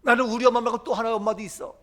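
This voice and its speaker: A middle-aged male pastor preaching a sermon with emphasis, moving between loud declarations and low murmurs and acting out quoted lines. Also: little pitch movement, racing. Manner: acts out quoted lines of Jesus and the crowd.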